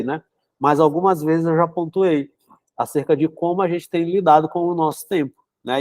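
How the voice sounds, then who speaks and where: Stuffed up and runny-nosed from a cold, the young Brazilian man from São Luís speaks in a fairly high, slightly mellow voice, hosting his book club with chatty filler and lots of "né?" between casual talk and reading aloud. No room sound is audible.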